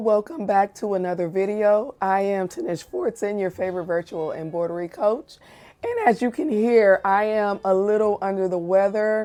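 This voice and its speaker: This woman's medium-pitched voice has a dark, mellow tone and ordinary pitch variation. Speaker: embroidery coach. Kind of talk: tutorial.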